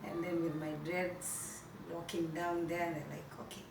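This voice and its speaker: A Tanzanian woman whose first language is Swahili, a guest talking softly and laughing easily in a casual interview. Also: lowish voice, flat delivery, moderate pace. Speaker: guest, musician and restaurant owner. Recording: roomy, distant, noisy ambience.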